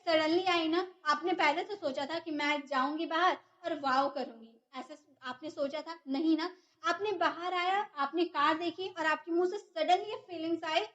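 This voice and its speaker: A woman's voice: very high voice, a bit bright, highs cut off. A woman teaching a grammar lesson, who explains step by step and asks and answers her own questions. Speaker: English teacher.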